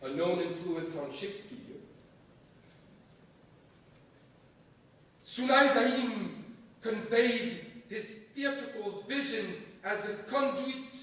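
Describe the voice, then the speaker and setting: An actor in a staged reading playing a grandiose, theatrical coup leader, dictating with deliberate, dramatic emphasis. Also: male voice, sits high, fairly bright tone. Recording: echoey stage from far off, faint noise.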